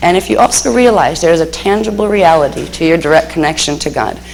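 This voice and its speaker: The delivery moves at a fairly quick pace. Room echo is audible, and there is noticeable background noise. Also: woman. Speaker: spiritual workshop teacher. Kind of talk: workshop lecture.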